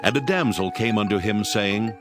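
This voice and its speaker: A man narrating scripture in a solemn, measured storytelling manner, as a scripted dramatized reading. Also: lowish voice, music in the background.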